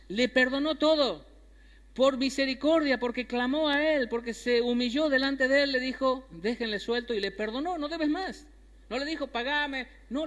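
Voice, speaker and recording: A man's voice: very high-pitched, fairly bright tone. A man preaching a sermon, emphatic, repeating key phrases and asking his listeners questions. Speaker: pastor. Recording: long hall reverb.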